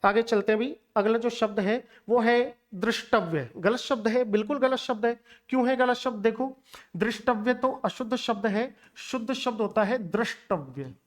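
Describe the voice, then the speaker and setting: A man's voice: very high-pitched, normal speed. A male teacher gives a spoken language lesson aimed at exam preparation. He lectures emphatically and speaks straight to his students. He drills pronunciations by saying the same word several times in a row. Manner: emphatic, drills words by repeating them; lecturing, addresses viewers directly. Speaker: Hindi teacher.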